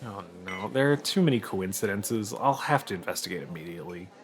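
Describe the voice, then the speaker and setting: A man's voice: fairly low pitch, animated, fairly quick, voice pushed down. A man playing a young city guard in a comic fantasy skit, hesitant, weary and mock-dramatic. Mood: alarmed, earnest.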